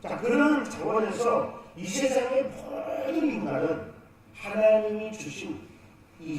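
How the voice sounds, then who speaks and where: Male pastor with a high voice, preaching and quizzing the congregation, recorded from afar in a very echoey church. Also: darkish tone. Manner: asks the congregation questions and answers them. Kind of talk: sermon. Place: church sanctuary. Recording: echoey church hall, distant mic, faint noise.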